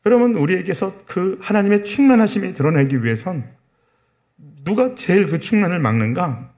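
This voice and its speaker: A man's voice: a little high, a little mellow. A man preaching a Korean sermon, telling stories and acting out the quoted dialogue. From South Korea. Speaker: pastor.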